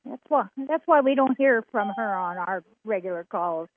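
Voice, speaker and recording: A woman's voice: mid-range voice, expressive, moderate pace. A woman chatting casually and greeting people on a group phone call. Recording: tinny phone line.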